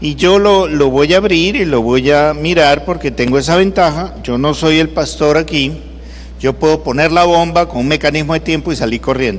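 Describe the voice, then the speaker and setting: A man talks at a moderate pace with a fairly high pitch and ordinary pitch variation. The room echo is audible, and background noise is noticeable. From Peru. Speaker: itinerant pastor and preacher. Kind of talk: sermon.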